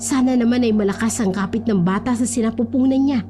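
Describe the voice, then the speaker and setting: Brief: a woman doing a stern, steady older healer, mellow dark tone, faint music behind. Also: a little high, quick pace, natural voice. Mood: grave. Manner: grave, instructing. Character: older village healer woman, calm and commanding.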